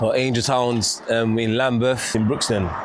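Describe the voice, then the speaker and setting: Over noticeable background noise and audible room echo, a man talks in a South London accent with monotone, flat intonation. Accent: south London, multicultural London English. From London, Brixton. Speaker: rapper. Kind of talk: casual interview on a walking tour.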